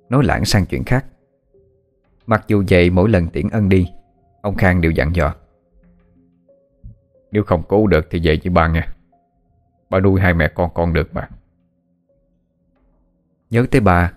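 A man narrating a ghost story in a steady storytelling manner. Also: low-pitched. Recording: faint music behind.

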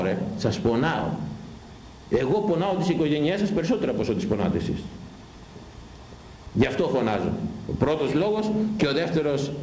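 A man preaching a fiery sermon, shouting and scolding his listeners with wide swings in pitch. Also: echoey room, a little hiss or hum, low-quality recording.

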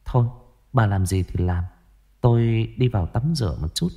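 A man's voice: lowish voice, lively intonation, moderate pace, mellow. A man voicing a proud mother of a landed household who turns frantic and cries out for her son. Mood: curt. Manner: curt, then cries out in panic.

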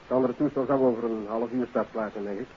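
A man acting a brisk, matter-of-fact airline captain in a 1950s radio drama, polite in manner. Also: mid-range voice, fairly even intonation, natural voice. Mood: brisk, reassuring. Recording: dull, hissy 1950s radio recording.

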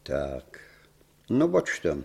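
A man's voice: rumbling low, huge pitch swings, very slow, creaky, husky, full character voice. A man playing a cynical, commanding American spymaster in a 1960s radio play, speaking with dry irony. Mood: ironic. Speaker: intelligence chief.

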